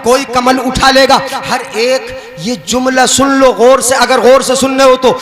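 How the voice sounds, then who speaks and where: A man preaching to a large religious gathering. He draws the crowd in with rhetorical questions and call-and-response, and often climbs into shouted, chant-like lines. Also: extremely high pitch, level tone, unhurried, roomy sound. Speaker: Islamic preacher.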